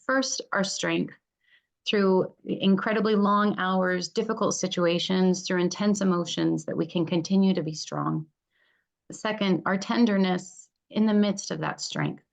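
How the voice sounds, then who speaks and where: Gravelly-voiced woman giving acceptance speech. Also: lowish voice, fairly even intonation. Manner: earnest, listing points deliberately. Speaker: award recipient, employment lawyer.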